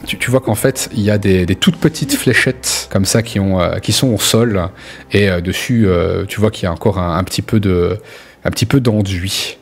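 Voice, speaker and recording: A man narrating a tabletop roleplaying game as game master, improvising descriptions haltingly and addressing players directly. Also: on the low side, breathy edge. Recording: music playing under the voice.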